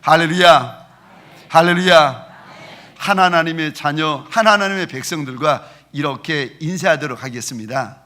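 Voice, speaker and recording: A man preaching a Sunday sermon with a bright, forceful voice pitched a little high. He mimics regional dialects for laughs and leads the congregation in call-and-response. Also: moderate pace, hardly any pauses. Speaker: pastor.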